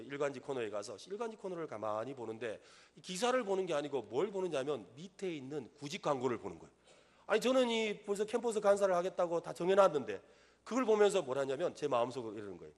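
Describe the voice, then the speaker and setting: Man, middle-aged pastor, sermon in church, earnest, builds to loud emphatic stresses. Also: medium pitch. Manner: earnest preaching, rising to loud emphatic peaks. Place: church sanctuary.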